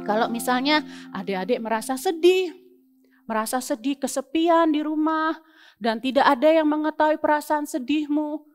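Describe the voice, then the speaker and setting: Young lady doing a kids sermon, high voice, super animated, music playing behind her. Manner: animated, lively storytelling with sudden swings in pitch and loudness; mixes English phrases into speech. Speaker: children's church teacher. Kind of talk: sermon for children.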